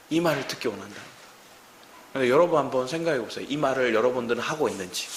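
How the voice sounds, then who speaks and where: A man in his thirties with a Gyeongsang Korean accent preaching a sermon as pastor, asking the congregation many questions. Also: medium pitch. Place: church sanctuary. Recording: roomy church hall with faint hiss.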